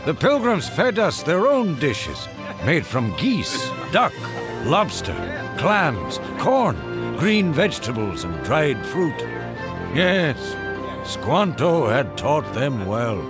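An actor playing a dignified Native American chief who fondly recounts the past in measured, solemn radio drama narration. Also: male voice, on the high side, big pitch swings. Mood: warm, proud. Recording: music behind the voice. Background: clear music.

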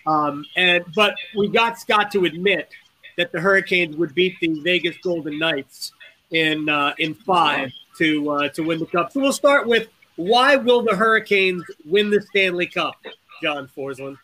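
A man's voice: sits high, measured pace, pushed and bright, low-quality recording. A man hosting a podcast, chatting eagerly with lots of fillers as he sets up questions. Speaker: podcast host. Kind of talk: casual podcast conversation.

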